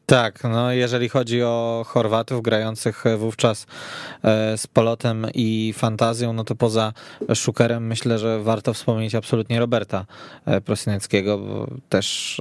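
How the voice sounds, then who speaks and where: A man's voice: on the low side, no room sound. A man hosting a semi-formal sports podcast, with wordy, ornate phrasing in broken-up clauses. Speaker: podcast host. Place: radio studio.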